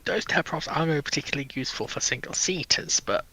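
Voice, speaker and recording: A man's voice: on the high side, very fast, bright, forceful tone, breathy edge, low-quality recording. A man taking part in a casual technical discussion, offering commentary in a conversational way. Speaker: discussion participant.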